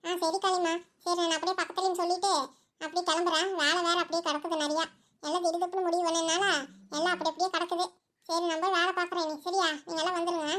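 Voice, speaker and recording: A woman's voice: very high-pitched, level tone, quick pace, a bit bright. A woman voicing all the characters of a village family cartoon in chatty, fussing banter. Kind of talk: cartoon voice acting.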